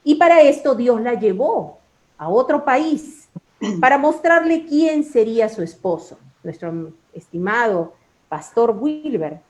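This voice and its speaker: A woman's voice: a little high, lively intonation, measured pace, a little mellow. A woman hosting a Christian program, telling devotional stories and introducing guests in an earnest, formal, reverent manner. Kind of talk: devotional storytelling and interviewing.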